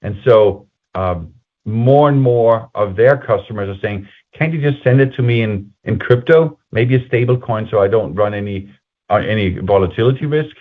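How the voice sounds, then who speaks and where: A man presenting company results on a conference call in a halting, conversational, explanatory way, as an executive speaking to investors. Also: fairly low pitch. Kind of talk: semi-scripted earnings call presentation. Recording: muffled phone-like conference call line.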